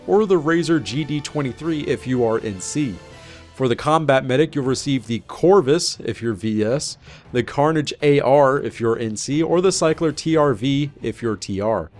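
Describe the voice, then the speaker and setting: A man hosting a gaming video, reading scripted update narration in an informal presenter style. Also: mid-range voice. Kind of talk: scripted patch-notes narration.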